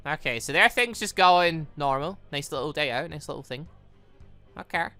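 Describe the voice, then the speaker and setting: A gaming host with an excitable, rambling, stammering delivery, reading and reacting to a story game. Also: medium pitch, moderate pace, soft background music. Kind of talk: playthrough commentary, reading dialogue aloud.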